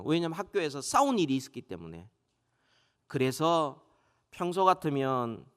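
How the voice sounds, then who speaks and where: A man preaching in a church with a fairly high, very animated voice that climbs and swells on the words he stresses. He slows right down for emphasis, then picks back up. The sound rings with the long reverb of a large sanctuary. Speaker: pastor. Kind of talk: sermon.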